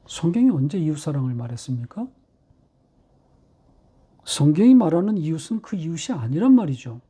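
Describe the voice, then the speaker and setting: A middle-aged male pastor preaching a sermon, posing rhetorical questions and slowing down to stress key phrases. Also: a little high, mellow, breathy edge. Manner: rhetorical questions, measured delivery with slowed emphatic phrases.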